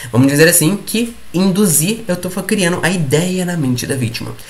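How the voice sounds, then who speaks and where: Amid noticeable background noise and audible room echo, a man speaks in a high pitch with an animated tone. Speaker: law professor. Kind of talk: lecture. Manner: fast; casual, animated.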